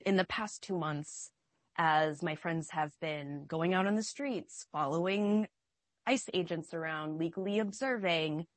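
A young adult woman from Minnesota, answering interview questions in a slow, reflective, earnest way. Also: fairly low pitch, no room sound. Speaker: guest, artist.

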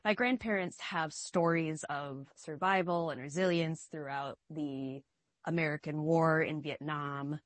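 Woman, young adult, low pitch, unhurried, reflective, earnest, dry recording. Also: no room sound. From Minnesota. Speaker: guest, artist. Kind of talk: interview answers.

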